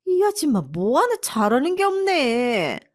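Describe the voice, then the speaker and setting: A woman voicing a rude, spoiled young wife in a storybook drama, scolding and sneering in a raised, high voice. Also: huge pitch swings, a little slow, exaggerated voice. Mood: snapping.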